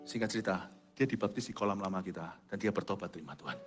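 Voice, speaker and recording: A middle-aged male pastor telling a testimony in a sermon, with vivid storytelling and sudden quiet asides. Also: sits low, very fast. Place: large church hall. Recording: reverberant church hall, soft music behind.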